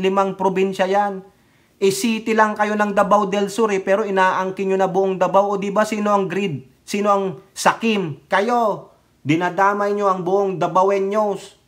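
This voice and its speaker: A man delivering casual political commentary for his vlog, mocking and heckling his targets and talking straight to his viewers. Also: high voice. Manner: often breaks into laughter. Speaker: political vlogger.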